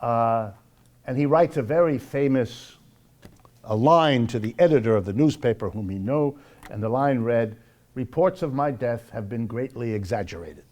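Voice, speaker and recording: A man with an American accent lecturing off the cuff to a live audience, wry and emphatic, slowing for dramatic weight. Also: medium pitch, lively intonation, a little mellow. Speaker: lecturer hosting a monthly public talk.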